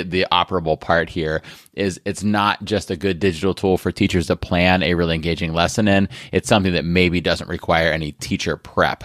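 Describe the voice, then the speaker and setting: A man's voice: deep voice, no echo, studio quality. A middle-aged man hosting a podcast, talking in a chatty, friendly way that sometimes rambles into restarts. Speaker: podcast host. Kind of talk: solo podcast segment.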